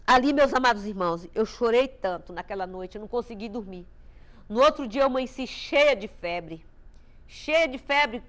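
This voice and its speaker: High-voiced woman preaching her testimony. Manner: impassioned, swinging from loud to hushed. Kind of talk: testimony sermon.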